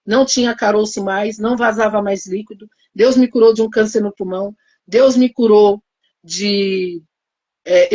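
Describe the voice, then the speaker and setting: A woman's voice: a little high, a little mellow. Emotional Brazilian woman pastor. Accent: Brazilian Portuguese. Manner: emotional, storytelling, reenacts her own prayers. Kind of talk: testimony sermon.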